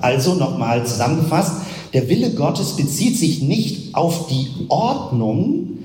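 Male preacher, animated explanatory delivery, long hall reverb. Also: on the high side. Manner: explanatory, builds up with rhetorical questions. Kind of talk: sermon with close reading of Bible verses.

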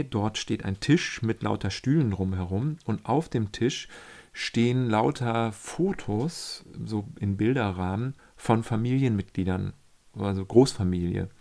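A man telling a casual, reflective account of his pilgrimage, often pausing and searching for the right words. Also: lowish voice, creaky, a little mellow. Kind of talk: casual spoken travel account.

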